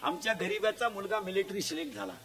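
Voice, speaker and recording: A man preaching a comic devotional sermon, scolding in a folksy way and quizzing the crowd for shouted answers. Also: high voice, quick pace. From Maharashtra. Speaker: kirtan preacher. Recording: live event with a loud crowd. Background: crowd responding and laughing.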